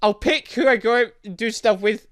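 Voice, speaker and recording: A game playthrough host reading aloud and commenting in a rambling, excitable, self-interrupting way. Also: medium pitch, moderate pace. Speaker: gaming video host.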